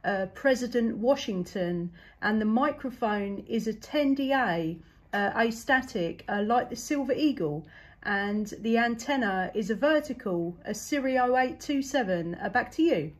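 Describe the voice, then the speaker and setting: A woman's voice: fairly high pitch, lively intonation, measured pace. A woman, working as a CB radio operator and chatting through signal reports.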